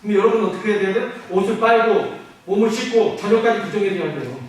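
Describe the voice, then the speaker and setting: A man preaching a sermon as pastor, animated, asking the congregation questions and answering them himself. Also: high voice, fast. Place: church sanctuary. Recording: very echoey hall, mic at a distance.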